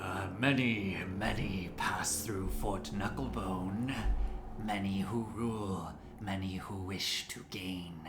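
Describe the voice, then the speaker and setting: Loud background noise sits under a put-on character voice that is low in pitch and delivered at a fairly slow pace. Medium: actual play. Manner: repetitive, mimicking.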